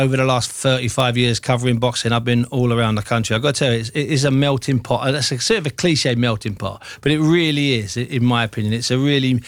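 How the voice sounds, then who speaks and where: A man's voice: mid-range voice, no echo. A middle-aged man, a boxing presenter, chatting and interjecting jokes. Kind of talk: podcast chat.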